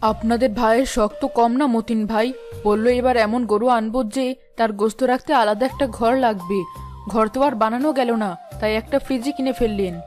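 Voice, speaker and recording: An actress playing a proud wealthy wife in a cartoon, talking in a chatty, boastful way. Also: female voice, on the high side, steady tone, fairly quick, a little mellow, faint music behind, close to an everyday voice. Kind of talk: cartoon voice acting.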